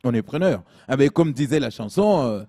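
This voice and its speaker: A man's voice: medium pitch, animated, moderate pace, mellow. A man giving comic commentary in a satirical news segment, joking and laughing as he goes. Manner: jokey, mimics people, laughs often. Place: studio.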